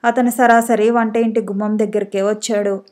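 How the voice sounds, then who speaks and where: A woman narrating a novel as an audiobook in slow, measured scripted narration. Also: mid-range voice, flat delivery, a little mellow.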